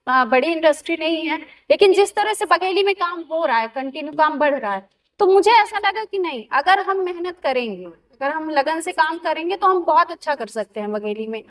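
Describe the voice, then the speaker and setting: A woman's voice: high voice, moderate pace, far from the mic. A woman actress talking earnestly about her work in an interview, with a Bagheli-region Hindi accent. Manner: steady, earnest, reflective. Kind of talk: casual interview talk.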